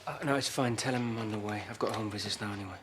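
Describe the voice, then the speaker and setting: An actor plays a caring male doctor in a TV drama. His voice is low and bright, with calm, slightly hesitant delivery over clear background ambience. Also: rapid-fire, slight background noise, natural voice. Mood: concerned, calm. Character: concerned, obliging male family doctor. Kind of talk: naturalistic TV drama acting.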